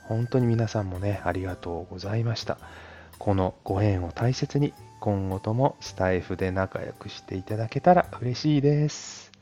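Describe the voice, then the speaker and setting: A man's voice: on the low side, moderate pace, dark tone. A man hosting an audio show, making announcements and thanking listeners in polite, courteous language with chatty asides. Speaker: audio channel host and amateur voice performer.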